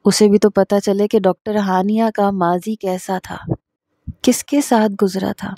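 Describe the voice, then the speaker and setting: A woman's voice: medium pitch, steady tone, dark tone, no room sound, clean studio sound, lightly acted. A woman voicing an obsessive, jealous young man in a storybook reading, speaking in a heated, demanding way. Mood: obsessive, angry.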